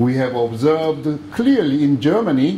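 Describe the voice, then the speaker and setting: Over light background noise and audible room echo, a man with a Korean accent talks at a fairly slow pace in a fairly high pitch. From South Korea. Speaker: peace activist; speaker. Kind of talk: conference talk. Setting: stage with audience. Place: meeting room. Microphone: podium.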